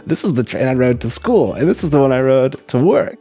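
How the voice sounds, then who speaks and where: A man's voice: mid-range voice, sing-song, a little fast, mellow, faint music behind. A young man co-hosting a podcast, chatting casually and laughing at himself often. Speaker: podcast co-host. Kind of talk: casual chat.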